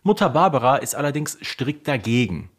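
A woman's voice: very deep voice, big pitch swings, fairly quick, breathy edge. A woman talking casually as a podcast co-host.

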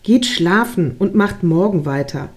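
A woman's voice: fairly low pitch, lively intonation, unhurried. A woman reading aloud, voicing a doubtful, fussy male angel helper who asks sighing questions.

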